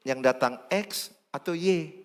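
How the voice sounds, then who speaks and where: A man, preaching a sermon in church in an animated, joking way. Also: on the high side, slow. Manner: animated, joking, acts out dialogue. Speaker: pastor.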